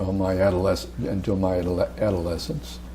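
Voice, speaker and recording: A man with a Midwestern US accent speaks at a moderate pace. His pitch is very deep and low, and audible room echo is present. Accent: General American, Midwestern. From US Midwest, Springfield, Illinois. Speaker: retired diplomat. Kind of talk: interview. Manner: halting, many fillers.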